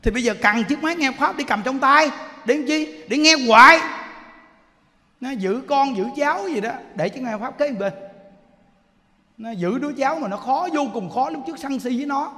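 Man, Southern Vietnamese accent, Buddhist sermon, high-pitched, animated, rhetorical questions, long hall reverb. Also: normal speed. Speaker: Buddhist preacher.

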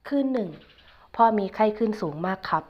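A woman tells a first-person audio story in a mid-pitched voice, slow and hushed with a sorrowful tone. The recording sounds dull and lo-fi.

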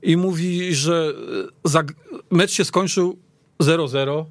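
Guy with a highish voice talking football, keeps stopping n repeating words, dry studio sound. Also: steady tone, no echo. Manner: halting, repeats words while searching. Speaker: football pundit on a radio podcast. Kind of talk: casual sports discussion. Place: radio studio.

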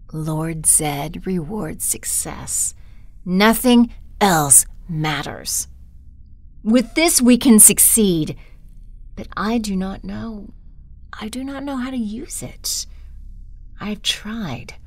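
A woman's voice: mid-range voice, lively intonation, drawn-out words, exaggerated voice. A woman voicing a commanding, scheming villain sorceress with theatrical menace in an audio drama. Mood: imperious.

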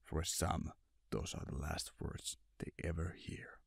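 A man's voice: extremely low pitch, steady tone, a little slow, gravelly, slightly rough, no echo, whispered, clean studio sound. A man who is not a native English speaker, narrating a scripted horror story in an ominous, dramatic way. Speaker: narrator and writer.

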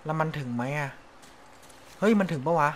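A man's voice: a little high, animated, normal speed, a little hiss or hum. Chatty, cursing male gameplay commentator. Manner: chatty, joking, swears at the game. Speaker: game streamer host. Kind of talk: casual let's-play commentary.

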